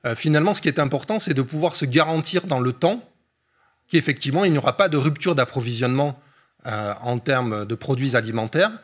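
A man's voice: medium pitch, a little fast. A man, an economist guest on a discussion show, explaining at length with frequent hesitation fillers.

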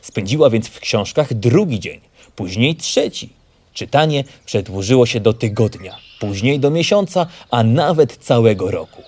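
A man reads a scripted children's story as narrator. His pitch is average for a male, and his intonation moves up and down a great deal. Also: animated, normal speed, a little mellow.

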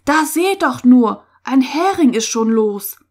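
A woman's voice: sits high, animated, slow, a little mellow, full character voice. A woman voicing an earnest, alert boy camper in a Christian story for children, calling out eagerly. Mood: alarmed.

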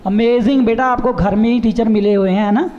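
A man's voice: very high-pitched, fairly even intonation, fairly quick, in a large hall, muffled recording, faint music behind. A man judging a talent show, giving encouraging and instructive feedback to child performers. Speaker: dance and acting judge.

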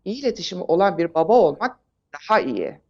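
A woman answering as an expert guest in an interview, explaining in a halting way with frequent pauses. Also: lowish voice, sing-song, dark tone, muffled recording. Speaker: expert guest, psychological counselor and psychotherapist.

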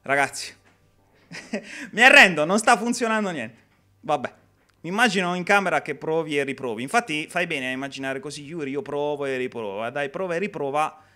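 A man's voice: on the high side, lively intonation, fairly quick, bright, forceful tone. A young man hosting a live gameplay stream, chatting and reading viewer comments in a jokey way. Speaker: game streamer.

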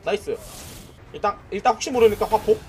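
A man's voice: sits high, fast, soft background music. A man streaming a mobile game, commenting live, cheering and trash-talking the enemies. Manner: excitable, shouting at enemies and cheering; trash-talking with frequent "nice" and "that's it".

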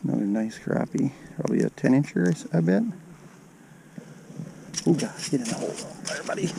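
A man's voice: mid-range voice, lively intonation, fairly quick, vocal fry. A man casually narrating his ice fishing to viewers, recorded on a body-worn action camera outdoors on a frozen lake. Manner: chatty, talks to viewers as "you guys". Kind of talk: casual play-by-play commentary. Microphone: body-mounted action camera. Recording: outdoor wind noise on the mic.

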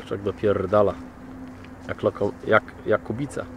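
A man's voice: on the low side, steady tone, measured pace, dull audio, background noise. A man chatting casually outdoors on a boat while fishing, swearing freely and cooing affectionately at his dog. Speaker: vlogger.

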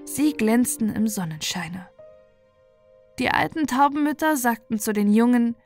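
A woman's voice: fairly high pitch, expressive, a little slow, a little mellow. A woman storyteller reading a scripted fairy-tale narration. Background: background music.

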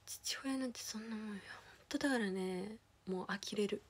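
A young woman, chatting casually as a streamer, ranting with animated indignation and dropping into whispered asides. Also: medium pitch, moderate pace, husky. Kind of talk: casual chat.

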